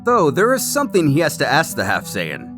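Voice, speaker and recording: Animated male narrator over background music. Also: a little high, fairly quick. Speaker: narrator recapping a comic series. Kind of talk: animated scripted story narration.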